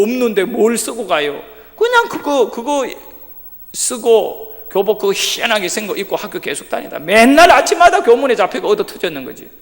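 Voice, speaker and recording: A man preaching an early-morning sermon, telling a personal story in a lively way and acting out what others said. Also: sits high. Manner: lively storyteller who acts out quoted speech. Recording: long hall reverb.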